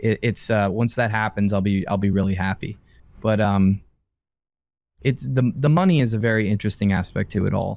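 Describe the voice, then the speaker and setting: A man's ordinary speaking voice with an American accent, fairly low in pitch, at a fairly quick pace, with ordinary pitch variation and very even loudness. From New York City. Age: 20s. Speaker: game streamer. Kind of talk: casual chat.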